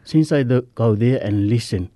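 A Samoan man, whose first language is Samoan, speaking earnest, halting English as a guest in a radio interview. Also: medium pitch, mellow, no room sound, studio quality. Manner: earnest, halting, simple non-native English. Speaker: guest sharing recovery story.

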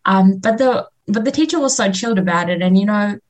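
A woman's voice: mid-range voice, animated, fairly quick. Young woman with a Fiji Indian accent. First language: Fiji Hindi. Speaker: interview guest. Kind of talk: personal talk in a radio interview.

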